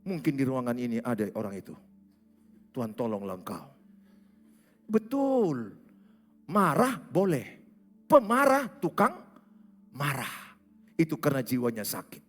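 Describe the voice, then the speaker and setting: A man preaching a sermon, jumping between loud, high exclamations and soft, low asides in short punchy phrases. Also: wildly swooping pitch, a little slow, pauses often. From Indonesia. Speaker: pastor. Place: large church hall. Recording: reverberant church hall with faint music.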